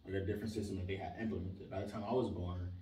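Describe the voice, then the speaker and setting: Young male guest, low pitch, animated casual talker, distant mic with room echo. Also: racing, over a noisy crowd. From Israel. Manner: animated, emphatic, leans on filler "like". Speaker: interview guest. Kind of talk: casual conversational interview. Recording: roomy sound, mic at a distance.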